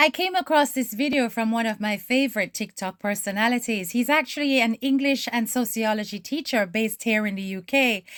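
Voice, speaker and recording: Over a very clean recording with a silent background, a woman with an ordinary speaking voice and a fairly high pitch talks at a fairly quick pace with hardly any pauses and ordinary pitch variation. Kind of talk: casual talk to camera.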